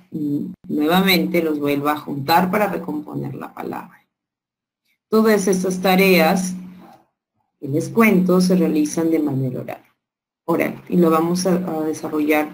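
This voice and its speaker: A woman leads an online workshop for teachers, explaining each point slowly and checking in with rhetorical questions. Her voice sits a little low and has a gravelly edge. A faint hiss runs under the recording. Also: a little mellow, low-quality recording. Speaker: teacher trainer.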